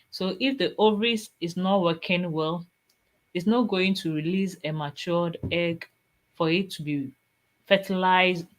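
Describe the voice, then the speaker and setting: A woman guest on a health panel, explaining fertility topics in a slow, careful way with frequent fillers. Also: fairly low pitch, a bit bright. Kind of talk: panel discussion.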